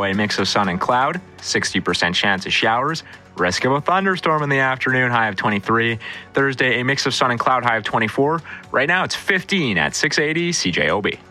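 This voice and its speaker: A man reading scripted radio news and weather in a brisk, even delivery. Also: mid-range voice. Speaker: radio newsreader.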